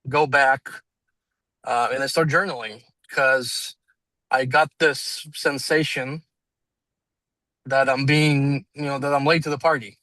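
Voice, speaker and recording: A man's voice: mid-range voice, steady tone, slow, pauses often, sharp tone, dry recording, poor audio. A man in his twenties with a non-native English accent, telling a story in a rambling, self-deprecating way with fillers and laughs. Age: 20s. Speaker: salesman and business owner. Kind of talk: casual conversation, storytelling. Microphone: video call.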